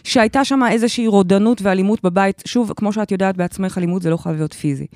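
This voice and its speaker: A woman's voice: medium pitch, darkish tone, dry recording, studio quality. A woman hosting a podcast chat, guiding a guest with emphatic step-by-step explanations. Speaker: host and life coach. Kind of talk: guidance in a casual podcast chat.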